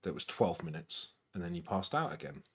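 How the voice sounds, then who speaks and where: A man's voice: low voice, sing-song, brisk, husky. A man chatting on his partner's live stream, complaining in a dry, mock-sarcastic way. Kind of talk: casual chat.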